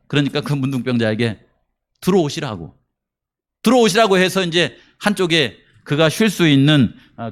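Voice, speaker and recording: Preaching a sermon, a male pastor tells a story full of acted-out quotes and questions aimed at his congregation. His fairly high-pitched delivery swings between quiet murmurs and raised emphasis.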